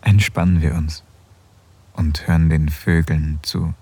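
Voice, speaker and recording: An actor playing an affectionate married man in an intimate audio drama, speaking softly and close to a whisper. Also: very deep voice, little pitch movement, unhurried, slightly rough, no echo, exaggerated voice. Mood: tender. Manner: soft, intimate, often near a whisper. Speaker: husband in an erotic audio drama.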